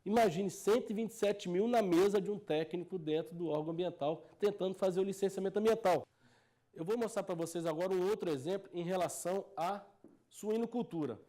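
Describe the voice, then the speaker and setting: A man with a Brazilian Portuguese accent lectures as a technical advisor and hammers each point home by repeating phrases. His voice sits high for a man, yet the tone stays mellow and soft-edged. His delivery is earnest and explanatory throughout. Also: a little fast.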